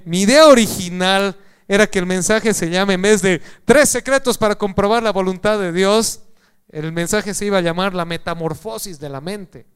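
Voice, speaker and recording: A man preaching a sermon to a congregation, animated and joking, swinging from loud calls to hushed lines. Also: sits high, clear, resonant tone.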